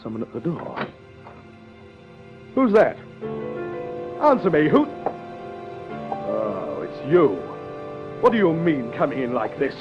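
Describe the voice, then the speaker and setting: A man's voice: mid-range voice, wildly swooping pitch, slow, long pauses, muffled recording, over music. An actor playing a vain, arrogant male Broadway star with a pompous, theatrical delivery in an old radio drama. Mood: indignant.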